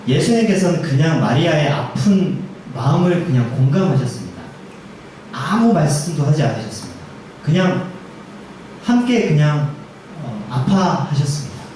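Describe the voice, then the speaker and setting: A man's voice: fairly high pitch, sing-song, normal speed, darkish tone, a little hiss or hum. A man, a junior pastor, preaching a sermon in a church in a conversational way, often putting questions to the congregation. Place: church sanctuary. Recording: echoey church hall, mic far off.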